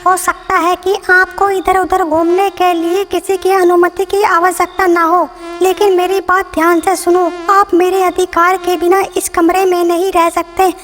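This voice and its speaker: A woman voicing a squeaky bossy bedbug. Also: flat delivery, unhurried, fairly bright tone. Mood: scolding. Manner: scolding, bossy. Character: bossy, territorial male bedbug. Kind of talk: cartoon voice acting.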